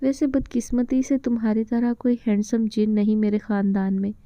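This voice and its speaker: A woman's voice: on the high side, little pitch movement, moderate pace, mellow, no room sound, close to an everyday voice. A woman reading as a humble young woman. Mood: lively. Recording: slightly dull lo-fi recording.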